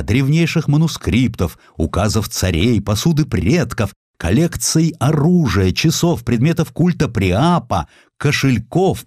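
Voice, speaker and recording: A man narrating a historical sketch as an audiobook, in an expressive, theatrical storytelling manner. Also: medium pitch, no room sound, studio quality. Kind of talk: dramatized reading of a historical sketch.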